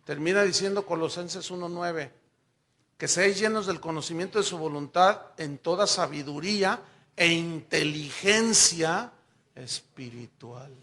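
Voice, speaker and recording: An older man with a Mexican accent preaching a sermon, telling personal stories and acting out the dialogue with lively shifts of voice. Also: on the high side, unhurried. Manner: animated storytelling, acting out dialogue in raised voices. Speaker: pastor.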